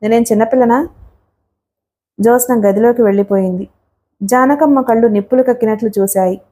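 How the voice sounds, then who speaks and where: A woman's voice: on the high side, quick pace, dark tone. A woman narrating a family story as an audiobook, reading it steadily.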